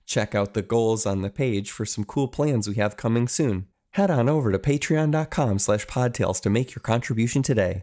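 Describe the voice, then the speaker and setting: A man's voice: fairly low pitch, a little mellow. A man delivering an upbeat scripted appeal to listeners as an announcer for an audio festival team.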